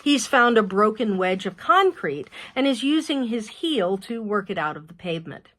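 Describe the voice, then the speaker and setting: A woman author reading a chapter of her novel aloud in an expressive, measured storytelling voice. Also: mid-range voice.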